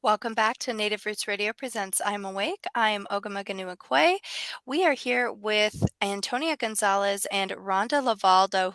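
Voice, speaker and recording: Bright, dry-sounding woman radio host. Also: mid-range voice, no echo. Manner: brisk, welcoming, scripted. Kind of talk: radio show welcome.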